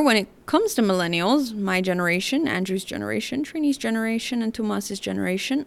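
A podcast host in her thirties from the Northern Mariana Islands reads personal narration with a light Chamorro accent. She sounds measured, articulate and reflective, with a medium-pitched, gravelly voice.

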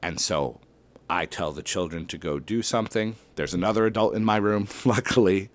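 Deep-voiced man telling a lively story. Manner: animated, with sudden loud bursts and slow dramatic drops. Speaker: elementary school teacher. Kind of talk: personal story told to an audience.

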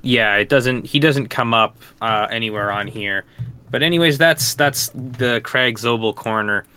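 A man co-hosting a relaxed podcast conversation, chatty and laughing easily. His voice is bright and smooth, with a clear, ringing tone. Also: mid-range voice, measured pace. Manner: chatty, laughs often, many fillers. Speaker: podcast co-host. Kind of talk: casual podcast chat.

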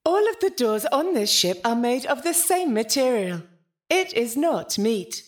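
A woman's voice: fairly high pitch, big pitch swings, unhurried. A woman playing a prim, evasive, literal-minded ship's intelligence in a science-fiction audio drama, speaking with dry, formal politeness. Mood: dry, pedantic. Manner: formal, pedantic, dryly polite.

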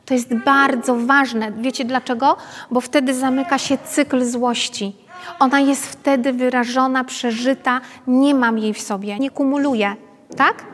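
At a parenting workshop, a woman pedagogue talks to the group in a relaxed, chatty style, frequently tossing in tag questions to check on her listeners. Her high voice is a bit bright, with fairly even intonation and a slightly slow delivery, and the hall produces long reverb.

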